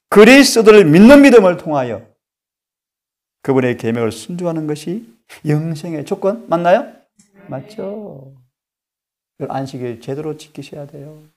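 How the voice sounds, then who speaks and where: A man delivers a sermon in a somewhat high, gravelly voice. He presses the congregation with rhetorical questions and swings from forceful, stressed lines to hushed asides. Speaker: pastor and Bible study director.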